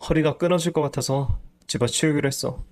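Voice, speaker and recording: A man's voice: fairly high pitch, fairly even intonation, fast talker, a little mellow, close to an everyday voice. A lazy, self-pitying husband whines excuses in a storybook reading, as a man voices him. He sounds close to an everyday male voice, defensive and sulky. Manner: whiny, defensive.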